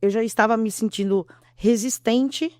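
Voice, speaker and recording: Uma mulher com sotaque brasileiro dá um testemunho de fé emocionado numa entrevista, repetindo frases e encenando falas. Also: female voice, on the high side, normal speed, darkish tone, no echo, clean studio sound. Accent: Brazilian Portuguese. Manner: earnest, repeats herself, acts out quotes. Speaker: interview guest. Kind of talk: emotional testimony.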